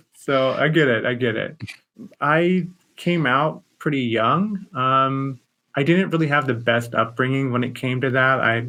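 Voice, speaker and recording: The voice has an American accent and a bright, sharp tone. It moves at a fairly slow pace with ordinary pitch variation. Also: man, medium pitch for a man. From Texas, southern. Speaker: tabletop content creator. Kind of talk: interview conversation.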